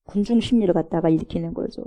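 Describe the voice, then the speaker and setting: A woman's voice: fairly low pitch, quick pace, lo-fi sound. A woman pastor preaching a morning sermon in a church, talking conversationally, asking rhetorical questions and acting out what the crowd said.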